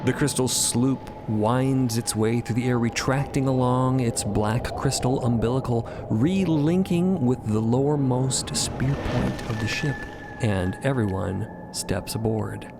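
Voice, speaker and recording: A man's voice: mid-range voice, a little slow, creaky, background noise. A man narrating audio fiction in a dramatic storytelling style. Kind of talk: dramatic scripted-sounding storytelling. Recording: music behind the voice.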